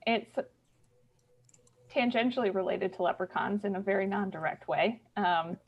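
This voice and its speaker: A woman's voice: mid-range voice, a little slow, slightly rough. A young woman spins a wry, self-amused anecdote in an ordinary mid-range voice. The stage audio is a little muffled and dull, and she chuckles as she goes. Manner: wry, laughing storyteller. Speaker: improv monologist. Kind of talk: comic storytelling monologue. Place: theater stage.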